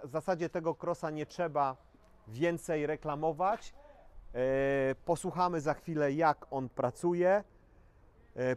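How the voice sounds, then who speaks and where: Outdoor dealer pitch: man in his forties, slightly high voice, steady spec-listing delivery, camera mic. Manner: enumerating specs in a steady sales pitch, frequent "e" fillers. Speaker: motorcycle dealer presenting a dirt bike. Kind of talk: sales presentation to camera. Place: outdoors in front of a shop wall.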